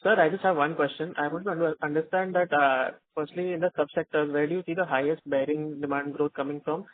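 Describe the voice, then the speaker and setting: A man with an Indian accent asks analyst questions over a narrow phone line. His voice sits a little high and stays very even in pitch. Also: fast. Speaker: analyst caller asking questions. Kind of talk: earnings call questioning.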